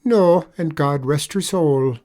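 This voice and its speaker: A storyteller voicing a soft-hearted, weepy male tradesman with an Irish accent, easily moved to sobbing. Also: medium pitch, slow, pitched above the performer's own voice, natural voice. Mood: sympathetic.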